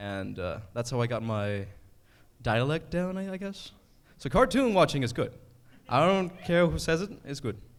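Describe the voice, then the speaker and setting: A man at a moderate pace, with lively intonation. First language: not English. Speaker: voice actor. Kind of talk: convention panel talk. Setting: stage with audience.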